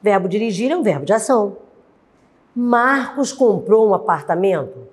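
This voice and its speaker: A Brazilian woman teaching a grammar lesson, reading out examples slowly and deliberately. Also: mid-range voice, expressive. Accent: Brazilian Portuguese. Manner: slow, deliberate, spelling out examples. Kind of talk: slow classroom lesson.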